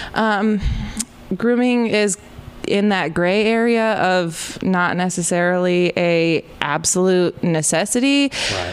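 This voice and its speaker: With an American accent, a woman talks at a very slow pace and a medium pitch. Her loudness stays very even, while noticeable background noise runs underneath. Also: ordinary pitch variation. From California. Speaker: pet groomer and small business owner. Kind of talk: radio interview.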